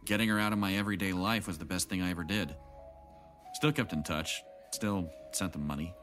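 A man's voice: low voice, brisk, fairly bright tone. A man playing a jaded, guarded middle-aged man in an audio drama, with wry, reflective delivery. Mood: bitter, resigned. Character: jaded, guarded older man, bitter about his family. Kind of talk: naturalistic audio drama acting. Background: background music.

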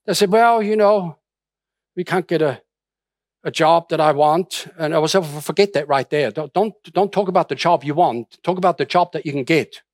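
A man's voice: on the high side, normal speed, no room sound, studio quality. A middle-aged man from Austria preaching a sermon in a conversational way, with many restarts and fillers. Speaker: pastor.

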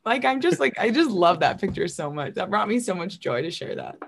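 A woman hosts a relaxed podcast interview, animated and easily amused, with a loose, casual way of talking that slips into swearing. Her voice sits at an ordinary middle pitch. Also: brisk, slight background noise. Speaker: podcast host.

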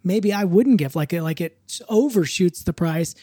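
A man's voice: high voice, lively intonation, normal speed, warm tone, dry recording, clean studio sound. A man in his fifties, a podcast co-host, chatting casually with a wry, rambling way of talking. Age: 50s. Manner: rambling, self-correcting, wry.

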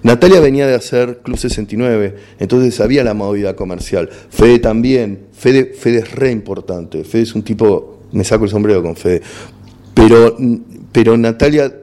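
Mellow-voiced Argentine comedian, frank and halting. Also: male voice, lowish voice. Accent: Argentine Spanish. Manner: frank, repeats words and restarts while searching for words. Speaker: stand-up comedian guest. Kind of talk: casual interview chat.

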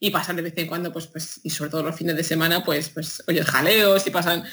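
A woman from Spain with a Madrid accent, a guest chatting in an interview and telling stories with lively emphasis and frequent laughter. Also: deep voice, brisk. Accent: Spanish, Madrid. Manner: animated storytelling, laughs often, emphatic. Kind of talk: casual interview chat.

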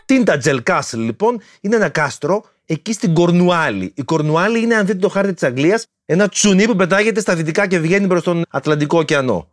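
A man's voice: high voice, expressive, hardly any pauses, no echo, clean studio sound. A man hosting a history video, explaining legends in a playful, slangy way full of jokey asides.

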